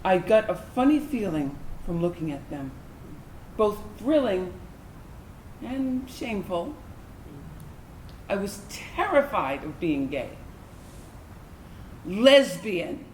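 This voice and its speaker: Reflective lesbian, played by a woman, slow confessional stage monologue recalling girlhood, echoey room, slight noise. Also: mid-range voice, big pitch swings. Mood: reflective, confiding. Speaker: actor in a staged reading. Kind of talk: dramatic monologue reading. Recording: roomy, noisy live stage recording.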